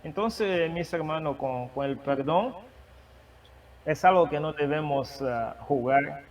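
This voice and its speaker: A man who is not a native Spanish speaker, preaching and sharing a testimony, with a halting manner and many restarts. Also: a little high, far from the mic. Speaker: guest preacher. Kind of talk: sermon testimony.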